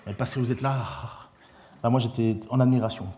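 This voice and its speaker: A man preaching a sermon, in a lively, conversational way with many restarts. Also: medium pitch, fairly quick, a little hiss or hum.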